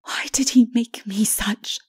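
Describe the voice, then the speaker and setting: A woman voicing a bitter, proud, anguished princess in a dark fantasy audiobook, gasping out her words in defiant bursts. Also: fairly high pitch, steady tone, measured pace, breathy edge, in a whisper, pitched above the performer's own voice.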